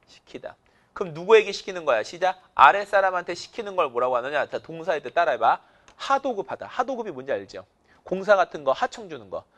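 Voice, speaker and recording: Guy teaching english vocab, counts kids in, keeps calling out cues, voice a bit high and swoops around a lot. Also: very animated, brisk, a bit bright. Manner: drills students with countdowns and repeated cues, jokes in slang. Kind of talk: energetic vocabulary lecture with call-and-response drills.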